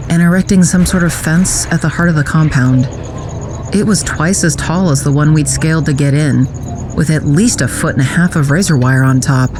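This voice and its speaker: A woman's voice: low-pitched, noisy background, natural voice. A woman acting in an audio drama as a wry, guarded character who recalls a youthful misadventure in a dry, sardonic manner. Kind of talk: audio drama narration and dialogue.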